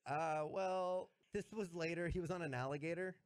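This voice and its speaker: A man with a slightly high voice talks in casual podcast chat. He tells his story haltingly, with self-deprecating asides, and keeps laughing at himself.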